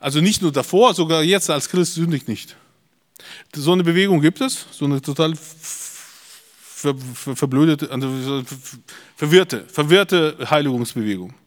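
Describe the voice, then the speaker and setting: A man delivering a sermon in a reverberant hall, his voice pitched a little high. He preaches bluntly and emphatically, rising to loud declarations and dropping to low asides. He sounds middle-aged. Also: a little slow. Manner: blunt, emphatic preaching with sharp swings in loudness.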